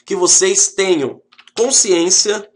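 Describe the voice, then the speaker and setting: Um professor com sotaque brasileiro dando uma videoaula animada, falando direto com a turma em tom de brincadeira. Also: male voice, high-pitched, takes it slowly. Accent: Brazilian Portuguese. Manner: lively, joking, talks straight to the class. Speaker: teacher. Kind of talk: video lesson.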